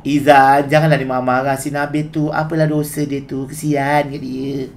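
A man's voice: mid-range voice, level tone, normal speed, heavy background noise. A man with a Malaysian Malay accent hosting a gaming stream, teasing his teammates in casual banter. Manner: teasing, playful, calls others "Cok".

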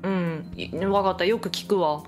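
A young woman game streamer provides Let's Play commentary, chatting to herself as she plays with soft music in the background. Her voice is on the low side at a normal pace, and she laughs often and exclaims in surprise.

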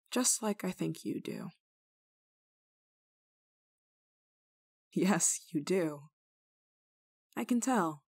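A woman playing a kindly, rule-breaking nun in an ASMR roleplay, speaking to the listener in a gently teasing, caring manner. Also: lowish voice. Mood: wistful, tender. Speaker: roleplay voice actor.

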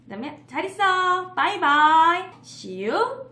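Lively high-voiced woman teaching English phrases. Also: roomy sound. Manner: playful, models English phrases slowly with laughs. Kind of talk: picture-book English lesson.

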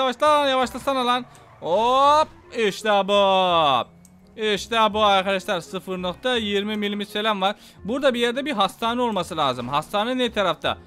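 Excitable young man commenting on gameplay. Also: high-pitched, slight background noise. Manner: excitable, banters with enemies, addresses viewers as friends. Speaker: gaming YouTuber. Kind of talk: Let's Play commentary.

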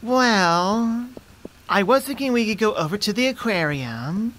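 A woman's voice: mid-range voice, animated, unhurried, a bit bright, a little hiss or hum. A woman voicing an affectionate, teasing, easily flustered young centaur girlfriend in an intimate ASMR roleplay, sweet and conversational, close on the mic. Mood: fond, teasing. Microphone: close studio microphone.

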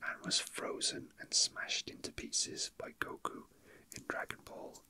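This is a young man hosting an ASMR video, murmuring in a breathy, gentle whisper at an indoor tabletop. He speaks slowly and haltingly, as though offering offhand remarks while his hands keep working.

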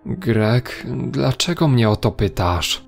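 A man's voice: fairly low pitch, slow pace, gravelly, faint music behind. A man voicing a creature that fakes a desperate, sobbing mother begging to be let in. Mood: pleading. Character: creature faking a pleading mother.

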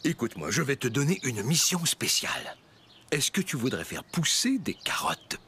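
A man playing a kindly, patient old grandfather in a children's cartoon, gently encouraging and explaining things simply. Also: mid-range voice, big pitch swings, normal speed, slight background noise. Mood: gently instructive. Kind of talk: children's cartoon dub acting. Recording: music behind the voice.

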